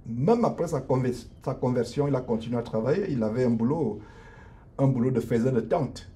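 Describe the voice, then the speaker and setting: A middle-aged man with a mellow, dark voice preaches on an unscripted live stream. He speaks in an earnest, preachy way, stalling often on long fillers and restarting his sentences. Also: medium pitch, slight background noise. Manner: hesitant, many drawn-out fillers and restarts. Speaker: lawyer and online minister. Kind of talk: improvised live stream, answering viewers. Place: his law office at lunch break.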